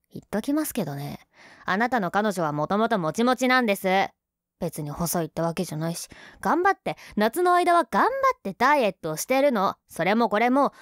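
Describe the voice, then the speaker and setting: A woman's voice: fairly high pitch, no echo, studio quality, lightly acted. A woman playing a young tsundere girlfriend in an ASMR role-play, huffy and sulky but affectionate underneath.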